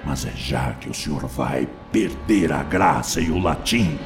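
An actor playing a mocking, vindictive male spirit in a radio drama, with a gravelly, sarcastic, theatrical delivery. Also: very deep voice, lively intonation, measured pace, exaggerated voice. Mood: sarcastic, gloating. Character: mocking, vindictive male spirit, former obsessor, sneering and defiant. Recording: music bed behind the voice.

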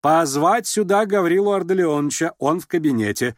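A man voicing an imperious, sharp-tongued middle-aged noblewoman and mother, scolding and abrupt, in an audiobook. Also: a little high, lively intonation, brisk, dry recording, clean studio sound, pitched above the performer's own voice, lightly acted. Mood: irritated. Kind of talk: audiobook character reading.

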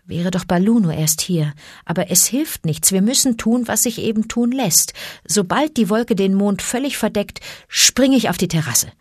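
A woman voicing a brave male black panther who speaks with steady resolve. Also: medium pitch, moderate pace, breathy edge, dry recording, studio quality. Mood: resolute.

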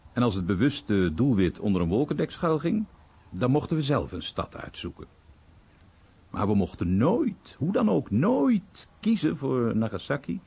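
A man playing an American war veteran who soberly recalls his bomber days in a radio drama monologue, in a husky voice. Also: medium pitch, warm tone, heavily acted. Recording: slightly dull radio recording.

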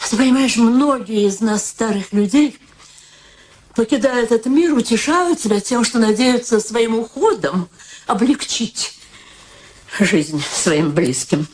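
An older woman acting in a radio play as a frail, anxious elderly mother near death, plaintive and dramatic with drawn-out pauses. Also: on the high side. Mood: mournful, resigned. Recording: steady background noise.

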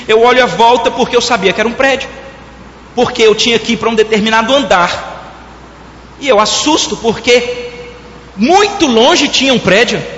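High-voiced preacher man in an echoey hall. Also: fairly bright tone, slight background noise. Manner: storytelling preacher who addresses the congregation directly. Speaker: pastor. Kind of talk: sermon. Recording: echoey hall, dull lo-fi sound.

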